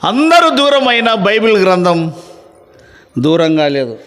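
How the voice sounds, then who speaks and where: A man's voice: high voice, very animated, a little slow, fairly bright tone, long reverb tail. A man preaching a sermon as pastor, giving orders to his readers in a stern voice that rises to emphatic declarations. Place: church meeting.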